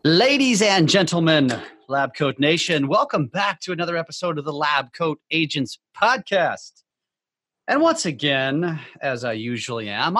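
Male podcast host, excited, middle pitch, dry close sound. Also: no room sound. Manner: enthusiastic, warm welcomes, repeats words. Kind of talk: podcast interview.

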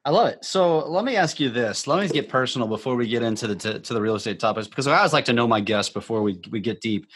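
A man's voice: mid-range voice, expressive, fast, a bit bright, a little hiss or hum. A man hosting a podcast who gives an enthusiastic welcome and often repeats words as he talks. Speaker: podcast host. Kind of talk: podcast interview.

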